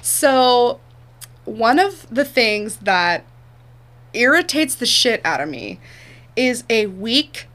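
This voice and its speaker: A woman in her thirties co-hosting a casual podcast, animated and quick to laugh, swearing freely as she chats. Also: a little high. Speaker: podcast co-host. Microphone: headphones on.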